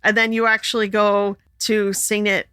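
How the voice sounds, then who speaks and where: A woman's voice: little pitch movement, moderate pace, pushed and bright, clean tone, no echo, clean studio sound. A woman co-hosting a podcast, chatting casually and laughing often. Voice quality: sings alto and high tenor. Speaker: podcast co-host. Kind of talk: casual chat.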